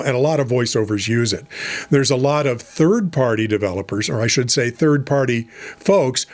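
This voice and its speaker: Middle-aged guy chatting about voice over gear, encouraging, lots of ums and restarts, medium pitch. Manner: conversational, frequent fillers and restarts; encouraging, direct advice. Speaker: voice over coach. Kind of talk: casual instructional talk.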